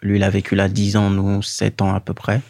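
A man in his thirties from Guinea, a native Fula speaker, telling his own story as an interview guest in a measured way with many pauses and fillers. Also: lowish voice, monotone, gravelly, a little mellow. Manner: measured, pausing often with fillers. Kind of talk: reflective personal storytelling.

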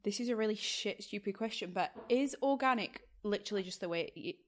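A woman's voice: mid-range voice, fairly quick. A young woman from Yorkshire hosts a podcast interview. She chats in a casual, easygoing way and keeps her guest talking. Now and then she drops a swear word. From Yorkshire, England. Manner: chatty, encouraging, casual swearing. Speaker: podcast host.

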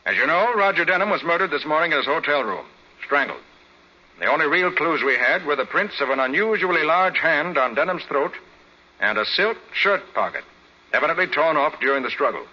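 Shrewd commanding detective, very sharp forceful voice, husky edge, brisk clipped authority, dull 1940s radio recording. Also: male voice, fairly high pitch, animated, full character voice. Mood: commanding, expository. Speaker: actor.

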